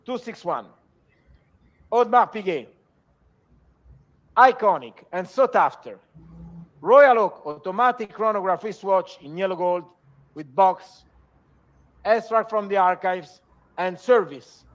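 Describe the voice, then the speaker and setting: High-pitched male auctioneer calling bids. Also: lively intonation. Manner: auctioneer delivery, repetitive, measured bid calls. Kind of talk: live auction calling with formal lot descriptions and repeated bids.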